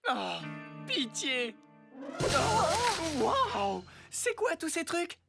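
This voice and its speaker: A brash young superheroine in a French cartoon dub. The voice sits high and sounds cocky and excitable. Music is clearly heard behind it. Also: female voice, extremely slow, exaggerated voice. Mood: excited.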